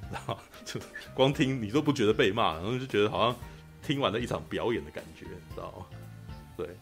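A man's voice: lowish voice, fast, gravelly, soft background music. A man, chatting as a podcast co-host and telling stories animatedly. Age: 40s. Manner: animated storyteller, keeps asking "you know?". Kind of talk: casual chat.

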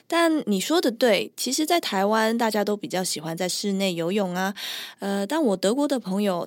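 A woman's voice: medium pitch, no room sound, clean studio sound. A woman co-hosting a language-learning podcast, chatting easily and agreeing with her partner. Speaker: podcast co-host and teacher.

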